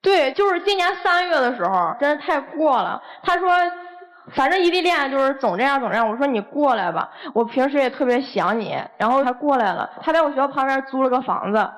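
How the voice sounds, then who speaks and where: A woman's voice: high-pitched, expressive, a little fast. A young woman, a guest airing heated, accusing complaints about her boyfriend. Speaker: guest on dating show.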